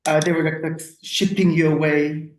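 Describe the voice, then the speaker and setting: A woman's voice: low-pitched, level tone, normal speed, a little mellow. A woman from Turkey, a native Turkish speaker, chatting casually at a community meeting with laughing asides and frequent fillers. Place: council meeting room. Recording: echoey meeting room from far off.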